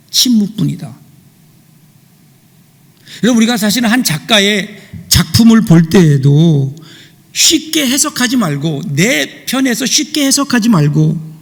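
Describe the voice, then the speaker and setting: A man preaching a sermon as pastor, earnest and full of rhetorical questions to the congregation. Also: high voice. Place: church sanctuary. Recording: long church hall reverb.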